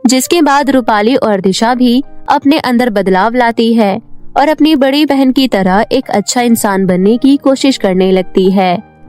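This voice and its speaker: A woman's voice: on the high side, a little mellow. A woman storyteller reading a scripted children's tale as narration. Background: faint music.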